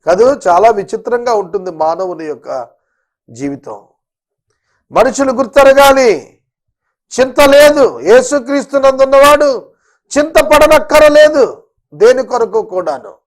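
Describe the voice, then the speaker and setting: A man's voice: very high-pitched, animated, a little slow, long pauses. A man preaching a sermon, pressing listeners with repeated rhetorical questions and dropping in English phrases.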